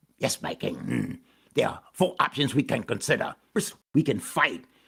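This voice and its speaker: A man's put-on character voice, fairly high-pitched, with very wide pitch swings at a moderate pace. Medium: solo performance. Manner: slow, ponderous.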